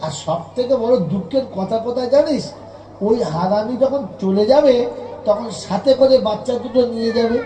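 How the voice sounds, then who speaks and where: High-voiced, echoey male preacher. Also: moderate pace, mellow, slight background noise. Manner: dramatic storytelling, acting out family dialogue; rhetorical questions to the audience. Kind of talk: Islamic sermon with storytelling.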